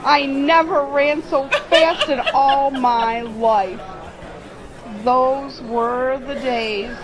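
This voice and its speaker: A woman acting in an audio drama as an expressive, chatty friend. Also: high voice, drawn-out words, low-quality recording. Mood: giddy, nostalgic. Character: rattled woman, playful old friend, nostalgic for her teens. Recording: busy public background chatter.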